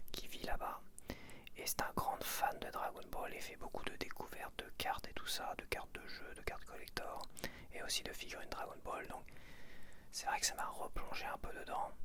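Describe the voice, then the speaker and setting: Whispering male ASMR host. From France. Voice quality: breathy, unvoiced whisper. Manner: hesitant, halting, intimate, addresses one viewer informally. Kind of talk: whispered ASMR, casual rambling to the viewer.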